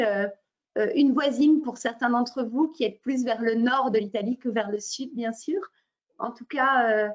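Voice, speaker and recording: A middle-aged woman from France presents a language-teaching webinar over a video call. Her voice sits a touch high, and she hesitates often, filling pauses and restarting phrases. The sound is dull and lo-fi, like a laptop microphone. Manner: hesitant, many fillers and restarts. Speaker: French teacher and trainer. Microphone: computer mic on a video call. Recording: muffled lo-fi webinar audio.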